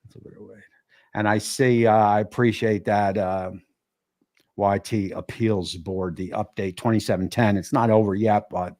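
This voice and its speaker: A man's voice: lowish voice, steady tone, normal speed, darkish tone. A middle-aged man with a New Jersey accent hosting a casual livestream chat, stumbling over restarts and reading viewer comments aloud. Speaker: livestream host.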